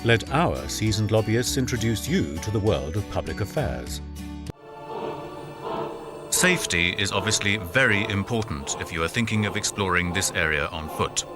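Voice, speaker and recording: A very low-pitched man narrates a documentary script with an expressive, varied melody. Music plays clearly behind his voice. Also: moderate pace. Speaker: voice-over artist.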